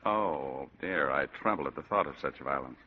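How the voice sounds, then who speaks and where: An actor playing a wisecracking, weary private detective who narrates, in 1940s radio style. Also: male voice, rumbling low, animated, normal speed. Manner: dry, sardonic wisecracks. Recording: dull old radio recording.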